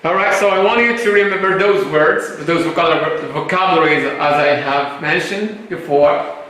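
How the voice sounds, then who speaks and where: A male English teacher from Morocco, a native Arabic speaker, slowly explaining vocabulary to a class, often checking with "right?" and "hmm?". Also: fairly high pitch, sharp tone. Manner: slow, repetitive explaining with tag questions. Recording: very echoey room.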